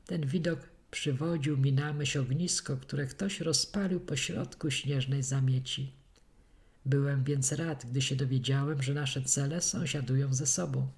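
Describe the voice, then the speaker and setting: Woman narrating an audiobook. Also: sits low. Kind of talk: scripted narration of a classic novel.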